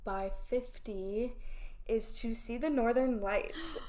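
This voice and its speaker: A woman's voice: a little high, takes it slowly, a little mellow. A young woman co-hosting a casual podcast chat, upbeat and rambling, with many "um"s and "like"s. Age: young adult. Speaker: podcast co-host.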